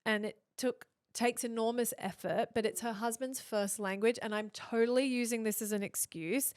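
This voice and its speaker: Aussie woman podcasting, kinda high voice, dry close sound, open and emphatic. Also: fairly even intonation, moderate pace, darkish tone, clean tone, no echo. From Australia. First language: Thai and English. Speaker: podcast co-host. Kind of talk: casual chat.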